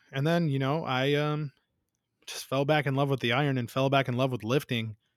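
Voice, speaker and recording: On a very clean recording with a silent background, a man talks in a fairly high pitch. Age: 30s. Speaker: podcast host. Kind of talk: personal storytelling monologue. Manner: casual, halting with many fillers.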